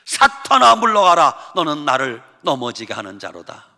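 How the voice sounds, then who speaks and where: A man voicing a calm, commanding Jesus in solemn scriptural phrasing. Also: medium pitch, normal speed, gravelly, in a large hall, pitched below the performer's own voice, exaggerated voice. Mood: rebuking.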